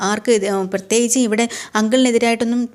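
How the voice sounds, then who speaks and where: A young niece trying to keep the peace, voiced by a woman narrator in a spoken serial retelling. She pleads softly but quickly. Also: a little high, fairly even intonation, pitched above the performer's own voice, natural voice. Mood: pleading.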